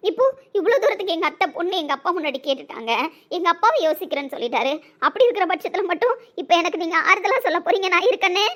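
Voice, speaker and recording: A woman's voice: very high-pitched, expressive, rapid-fire, a bit bright. A woman voicing a young woman desperately in love, pleading and repeating herself in an emotional audio drama. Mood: reproachful. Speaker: lead character in an audio drama.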